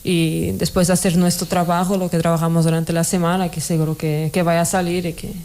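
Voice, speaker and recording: A young woman from Portugal, a futsal player whose first language is Portuguese, answering radio interview questions in a halting way, repeating words and often checking in with the listener. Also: on the low side, little pitch movement, darkish tone.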